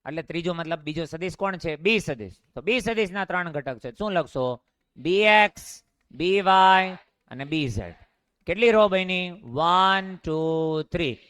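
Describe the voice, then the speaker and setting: A man teaches physics with a Gujarati accent, asking the class each question and then supplying the answer himself. His voice sits a little high and sounds smooth and resonant. The recording is dry and close, with no room echo. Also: animated, a little slow, fairly bright tone. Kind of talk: classroom lecture with call-and-response questions.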